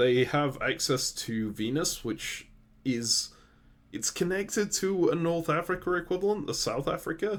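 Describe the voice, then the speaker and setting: Speaking at a fairly slow pace with lively intonation, the voice carries a British accent on a very clean recording with a silent background. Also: man. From Britain. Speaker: board game strategy commentator. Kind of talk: casual analysis chat.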